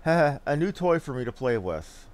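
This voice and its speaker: A man's voice: medium pitch, sing-song, moderate pace, close to an everyday voice. A man voicing an ambitious, self-important villain in a fantasy game, with grandiose, archaic phrasing. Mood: smug. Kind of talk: fantasy game dialogue read aloud.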